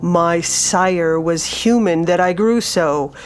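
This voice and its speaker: A female-sounding voice growls in a put-on character voice at a middle pitch, very slowly. Clear music plays in the background. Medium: read story. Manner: terse and guarded.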